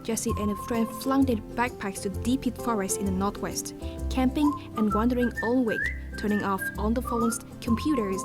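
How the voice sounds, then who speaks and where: A woman reading a scripted documentary voice-over in a measured tone. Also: a little high. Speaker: narrator. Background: music bed.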